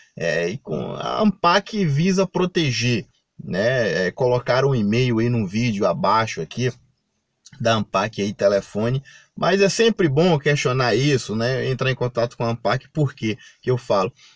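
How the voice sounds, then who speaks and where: Against a quiet background, a man speaks at a fairly slow pace and a medium pitch. His pitch swings very widely, and the sound is dry with no echo. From Brazil, Bahia. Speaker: YouTuber on civil service exams. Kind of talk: casual vlog to camera. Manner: hesitant, many fillers. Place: car. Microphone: phone near.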